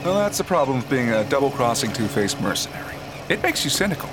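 Man playing a cocky, animated wisecracking adventurer. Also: mid-range voice, quick pace, background noise, natural voice. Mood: teasing. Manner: glib, joking banter. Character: cocky wisecracking male adventurer, playful and sarcastic. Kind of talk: audio drama dialogue. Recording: clear music and boat engine behind.

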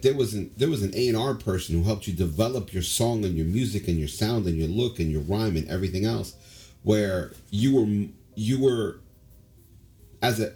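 A man's voice: on the low side, a little mellow. A man co-hosting a casual podcast, talking at length with strong opinions and lots of fillers. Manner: rambling, opinionated, many fillers. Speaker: podcast co-host. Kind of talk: casual chat.

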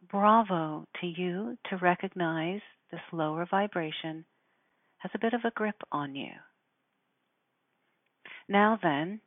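A woman speaking in a measured, deliberate way, giving spiritual instruction and guided meditation. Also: fairly low pitch, dry recording. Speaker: spiritual teacher guiding listeners. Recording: narrow phone-like sound.

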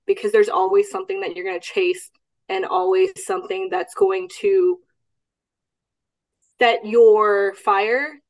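A young woman from Texas who grew up speaking Cantonese talks about her past. She answers steadily, pausing and correcting details as she recalls them, at a middle pitch. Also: low-quality recording. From Austin, Texas. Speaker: guest. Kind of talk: casual podcast interview.

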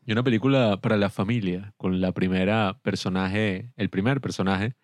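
Male co-host: low, dry voice, loose rambling film banter. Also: fairly even intonation, normal speed, no room sound. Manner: rambling, joking, laughs often. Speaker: podcast co-host. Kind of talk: casual film review chat.

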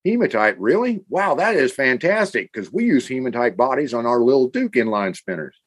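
A man's voice: medium pitch, normal speed, slightly rough. Enthusiastic Midwestern man host. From American Midwest. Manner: enthusiastic, animated. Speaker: podcast co-host. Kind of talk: casual scripted chat.

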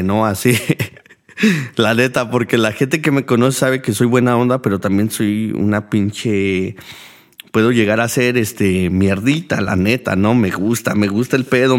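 A man with a Mexican Spanish accent, hosting a podcast as a casual monologue. He rambles and swears a lot, with many fillers. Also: lowish voice. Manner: profane, rambling, heavy use of fillers. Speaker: podcast host.

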